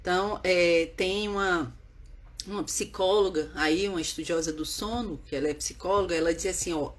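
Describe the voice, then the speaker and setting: A woman's voice: lowish voice, normal speed. A woman who teaches parents about baby sleep, talking earnestly and often checking in with her listeners. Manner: earnest, repetitive, checks in with "né?" and "certo?". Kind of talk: explaining to viewers on camera.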